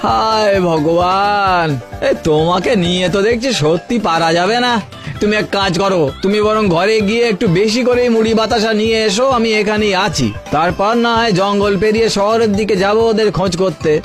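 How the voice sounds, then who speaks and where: A man's voice: high-pitched, a little fast, lightly acted. A man voicing a worried village farmer who frets and stammers in exasperation, in a cartoon. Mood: exasperated. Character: worried middle-aged village farmer, fretful. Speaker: farmer husband. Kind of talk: cartoon voice acting. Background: background music.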